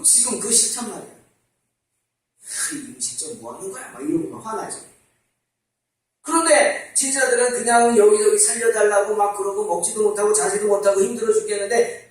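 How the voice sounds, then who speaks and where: A middle-aged man preaching a sermon as pastor, talking in a lively, conversational way and asking the congregation questions. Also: sits high. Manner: animated, conversational, asks the congregation rhetorical questions. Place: church sanctuary. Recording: very echoey church hall from far off.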